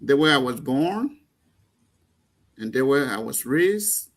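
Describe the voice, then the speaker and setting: A man's voice: mid-range voice, very animated, takes it slowly. A man with a Liberian accent, speaking as a panel guest in a heated political talk show, impassioned and emphatic with stumbling restarts.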